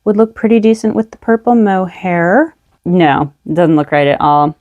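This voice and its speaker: In a dry, dull-sounding recording, a woman with a fairly low, slightly mellow voice speaks at a moderate pace. She is a craft vlogger at a table thinking out loud about her yarn, a bit out of breath, with frequent ums, in a relaxed show-and-tell chat.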